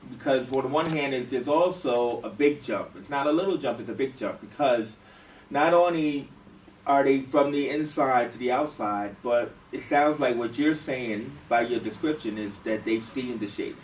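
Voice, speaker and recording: A man's voice: medium pitch, normal speed, distant mic. Man, workshop leader, informal discussion, explanatory, checks for agreement, roomy sound, faint background noise. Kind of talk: informal group feedback discussion. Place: echoey room, recorded from a distance.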